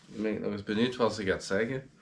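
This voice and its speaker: A man's voice: fairly low pitch, fairly even intonation, fast talker, vocal fry, slight background noise. A man chatting playfully in a home vlog at night while he has a cold, now and then breaking into snatches of song. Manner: playful, sings snatches of songs. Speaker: vlogger. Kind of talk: casual vlog chat.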